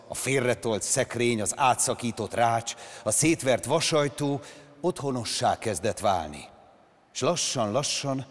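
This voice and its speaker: An actor performing a dramatic literary reading on stage, with slow, measured phrasing. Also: male voice, mid-range voice. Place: large concert hall on stage. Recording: reverberant concert hall.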